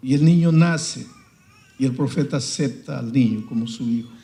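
A male pastor preaching a sermon, dramatic and storytelling, swinging between loud peaks and hushed passages. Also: mid-range voice, normal speed, vocal fry, reverberant.

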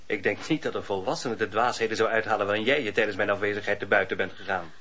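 Dignified suspicious husband, radio play, formal, sardonic, lowish pitch, sharp tone, lo-fi. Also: male voice, fast talker, slight background noise. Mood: angry, accusing. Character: stern, suspicious husband, dignified master of the house. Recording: dull lo-fi radio play recording.

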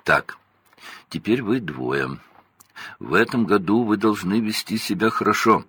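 A man's voice: on the low side, a little slow, a bit bright, slight background noise, pitched above the performer's own voice. A man voicing a proud, strict mother who scolds and fusses over her children. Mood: stern.

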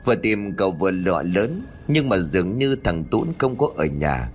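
A male storyteller reading a spooky tale with a low voice and a lively, rising-and-falling delivery. His reading is dramatic and expressive, with faint music underneath. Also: moderate pace. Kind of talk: scripted narration.

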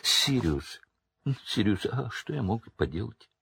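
A man's voice: fairly low pitch, very animated, takes it slowly, vocal fry, bright, forceful tone, a little hiss or hum, exaggerated voice. A man voicing a cowering, sniveling middle-aged wizard who whines and pleads. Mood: pleading. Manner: whining, pleading.

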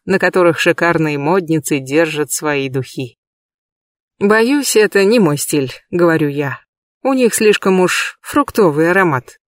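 A man giving a measured, lightly expressive first-person audiobook reading, recorded close in a booth. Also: fairly high pitch, no echo. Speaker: audiobook reader.

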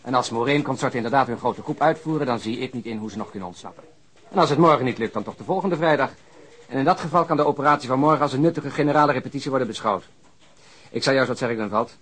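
An actor playing an eager, talkative police detective in a radio drama, with a slightly husky voice. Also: male voice, medium pitch, fast, fairly bright tone. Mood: eager, amused.

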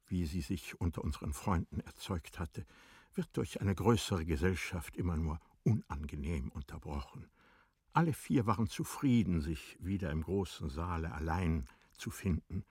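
Deep, husky male literary narrator. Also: lively intonation, darkish tone, no echo. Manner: measured, composed storytelling. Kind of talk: literary radio drama narration.

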